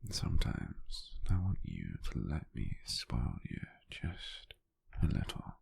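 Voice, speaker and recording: Man acting as a tender British boyfriend, very low gravelly voice, husky half-whisper, slow, teasing, intimate ASMR roleplay. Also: big pitch swings, no echo, heavily acted. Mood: tender, soothing. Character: gentle, doting, teasing male lover cooking at home. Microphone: close microphone.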